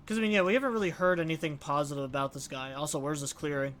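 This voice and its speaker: A man's voice: on the high side, steady tone, rapid-fire, fairly bright tone, slight background noise. A man streaming a let's play with casual, informal, opinionated commentary.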